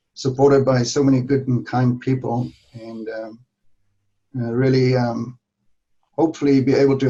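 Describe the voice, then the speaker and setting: A man's medium-pitched, somewhat breathy voice with a dark, mellow tone, monotone flat intonation and a moderate pace. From South Africa. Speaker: pediatrician and author. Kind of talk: podcast interview. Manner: halting, many fillers.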